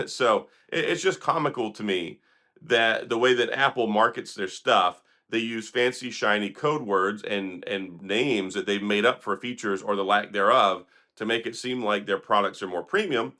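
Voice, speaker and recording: Hoarse, sarcastic tech vlogger man. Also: lowish voice, moderate pace, sharp tone. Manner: sarcastic, critical, rambling. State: hoarse, recovering from illness. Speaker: tech video host. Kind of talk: opinionated tech commentary vlog.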